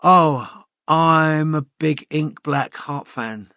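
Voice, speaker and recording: A man voicing an eager young woman who gushes brightly. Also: deep voice, very slow, dry recording, clean studio sound, pitched above the performer's own voice, heavily acted. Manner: eager, beaming. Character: eager, gushing young blue-haired woman.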